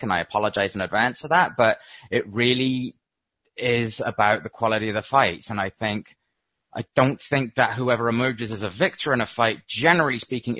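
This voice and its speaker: Male interview guest, low bright voice, thoughtful and hesitant, choosing his words in unscripted answers. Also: no room sound. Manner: hesitant, reflective, measured phrasing. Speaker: boxing expert guest.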